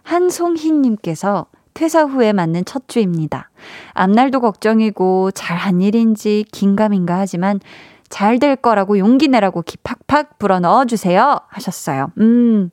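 A young woman hosting an evening radio show, chatting warmly and reading out listener messages with encouraging words. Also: mid-range voice, animated, moderate pace, no room sound, clean studio sound. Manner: warm encouraging, cheers listeners on. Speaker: radio host. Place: radio studio. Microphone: studio microphone.

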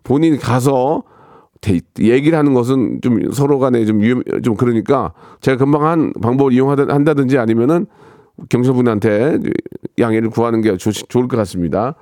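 A man's voice: mid-range voice, a little fast, warm tone, dry recording, studio quality. A man hosting a radio show, reading listener questions and giving blunt, joking advice with many fillers. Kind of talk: casual advice chat.

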